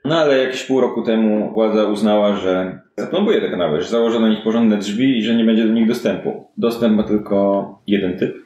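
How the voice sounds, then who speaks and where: A man's voice: on the low side, a little fast, few pauses, warm tone, highs cut off, lightly acted. A man voicing a shrewd, dismissive woman who runs port-side crime in a fantasy tabletop game, talking in an offhand, worldly, slangy way. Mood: gossipy, wry. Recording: echoey room with clear background noise.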